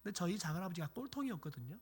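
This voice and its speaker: A middle-aged pastor preaches a sermon in a church sanctuary, telling folksy family stories, acting out scolding relatives and dropping to whispers for emphasis. His voice is high and sing-song with a breathy edge, and he speaks very fast.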